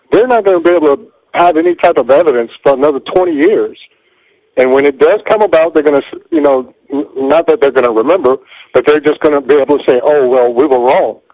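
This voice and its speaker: A man's voice: a little high, a little mellow, dry recording. A man calling in to a radio show, making his point in an earnest, argumentative way. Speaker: caller. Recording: phone line.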